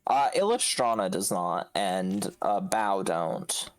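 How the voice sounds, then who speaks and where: Slow-talking man with lively swings in pitch. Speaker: tabletop game player. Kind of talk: casual joking chat.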